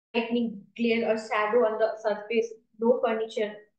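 A woman speaks at a fairly slow pace, with audible echo in the room. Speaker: clinic health educator. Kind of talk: lecture. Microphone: webcam.

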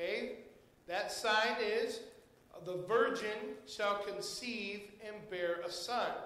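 A man speaks at a very slow pace with fairly even intonation amid audible room echo. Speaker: preacher. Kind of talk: sermon. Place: church.

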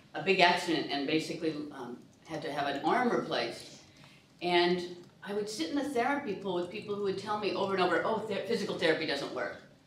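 Very fast speech comes through with audible room echo and light background noise. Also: woman, fairly low pitch for a woman. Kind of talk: conversational discussion, personal anecdote. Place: hall.

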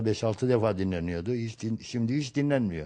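A man with a dark, mellow tone and a fairly low pitch. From Turkey, Zonguldak Ereğli. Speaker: patient's father giving testimonial. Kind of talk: testimony. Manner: halting, many filler sounds.

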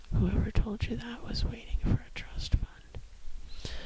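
A woman whispers at a very slow pace. Her voice is breathy. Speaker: author reading her own novel chapter, ASMR creator. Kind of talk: ASMR whispered storytime reading of a novel chapter. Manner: whispered, breathy, soft-spoken. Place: home room. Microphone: handheld.

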